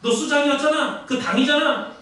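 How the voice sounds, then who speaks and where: A man's voice: extremely high pitch, fairly quick, sharp tone, voice pushed up. A man voicing bystanders who accuse a frightened disciple in a jeering tone. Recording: very echoey church hall, distant mic.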